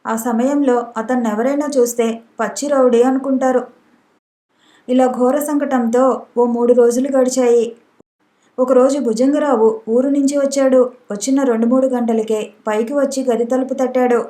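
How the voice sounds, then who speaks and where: A woman narrating a novel as an audiobook in a steady, even reading manner. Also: high-pitched, normal speed. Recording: roomy echo.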